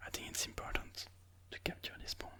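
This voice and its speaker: A person whispering ASMR game commentary in a breathy, mostly unvoiced voice, slowly and soothingly thinking aloud. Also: pushed and bright. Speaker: ASMR chess video host.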